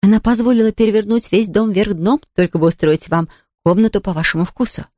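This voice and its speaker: A woman's voice: medium pitch, fairly even intonation, quick pace, warm tone, dry recording, studio quality, voice pushed up, natural voice. A woman voicing a blunt, fussy household maid in an audiobook, in a scolding, matter-of-fact manner. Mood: fervent. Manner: blunt and scolding, then fervent. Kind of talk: audiobook character reading.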